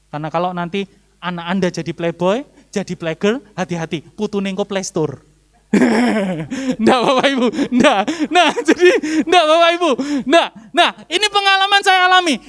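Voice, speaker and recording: Joking Javanese pastor preaching. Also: male voice, high-pitched. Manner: lively, joking, swings between loud and hushed. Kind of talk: humorous sermon storytelling.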